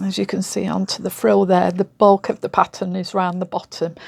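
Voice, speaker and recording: In a British accent, a woman speaks at a medium pitch with monotone, flat intonation. The sound is dry and close with no echo, on a very clean recording with a silent background. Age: 60s. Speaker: sewing vlogger. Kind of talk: tutorial. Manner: hesitant with fillers.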